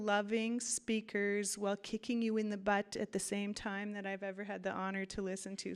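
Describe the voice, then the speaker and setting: A woman moderating a conference, introducing the panel admiringly with frequent pauses and fillers. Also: medium pitch, clean tone. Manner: warm, admiring, hesitant with fillers. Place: lecture hall at a law school.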